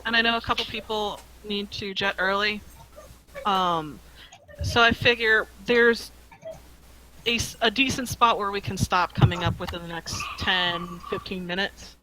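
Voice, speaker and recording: A game master chatting casually before a tabletop session, relaxed and accommodating with many ums, and feeling unwell. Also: medium pitch, measured pace, a little hiss or hum, poor audio.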